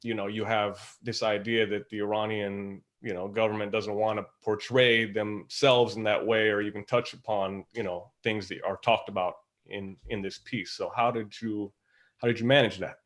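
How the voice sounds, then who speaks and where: A man's voice: lowish voice, little pitch movement, moderate pace, fairly bright tone. A man casually putting a question in an interview, tentative and hedging as he circles toward his point. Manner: tentative, circling hedged phrasing. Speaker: interview participant asking questions.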